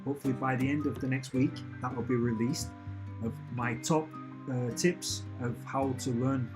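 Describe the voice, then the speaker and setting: A man's voice: medium pitch, steady tone, normal speed, music in the background. A man hosting a casual live stream from home, chatting in a rambling, upbeat way and often restarting his sentences. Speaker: channel host answering live questions. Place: at home with family and a cat nearby.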